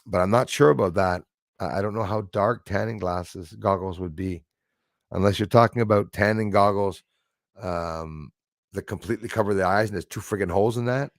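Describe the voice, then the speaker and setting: A man's voice: fairly low pitch, moderate pace, dry recording, clean studio sound. A man from Quebec with a Quebec English accent, hosting a casual livestream and rambling through chat with lots of fillers. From Quebec, Canada. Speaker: livestream host reading chat.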